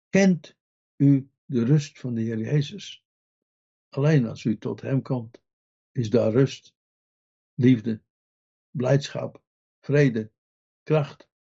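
A man's voice: mid-range voice, vocal fry, mellow, breathy edge, lo-fi sound. A man preaching a sermon earnestly, putting direct questions to his listeners.

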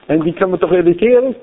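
An older man preaching a sermon, asking the listeners questions and repeating phrases as he swells up on key words. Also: sits high. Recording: tinny phone-like recording.

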